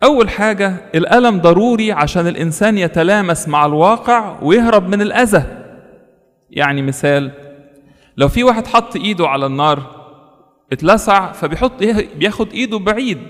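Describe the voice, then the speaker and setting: A man's voice: sits high, expressive, a little fast, fairly bright tone, in a large hall. A man with an Egyptian Arabic accent preaching a sermon. He tells stories and asks his listeners rhetorical questions.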